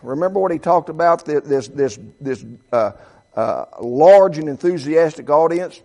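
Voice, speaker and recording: Here a pastor in his seventies delivers a sermon, his fairly high male voice moving at normal speed with lively intonation and a slightly mellow quality. Reading quotes aloud, he frequently stammers and starts his sentences over.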